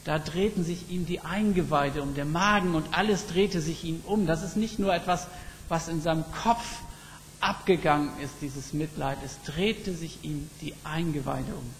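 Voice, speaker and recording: A man preaching a sermon, reflective and slow, telling stories with emphatic pauses. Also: on the high side. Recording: long reverb with faint background noise.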